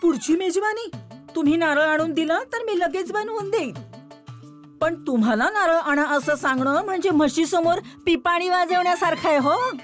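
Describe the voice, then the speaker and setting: A woman playing a sarcastic, scolding wife of a miser in an animated children's story. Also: very high voice, moderate pace. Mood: scornful nagging. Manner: nagging, sarcastic. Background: faint background music.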